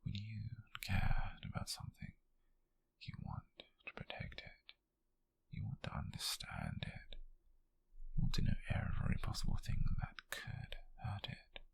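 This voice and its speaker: A British man playing an obsessive, possessive lover in a breathy, halting, intimate ASMR roleplay whisper, close to the microphone. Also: sits low, huge pitch swings, exaggerated voice. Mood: intense, controlling. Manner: slow, halting, intimate delivery with pauses. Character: obsessive, possessive man quietly fixated on his beloved.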